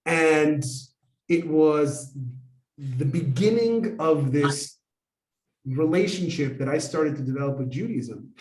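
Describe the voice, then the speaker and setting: A man in his forties, raised in America, telling a lively personal story to an audience as a Kabbalah teacher, acting out the dialogue as he goes. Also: a little high, slow pace, recorded from a distance, slight background noise. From United States. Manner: animated, acts out dialogue, many fillers. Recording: echoey room, voice from afar.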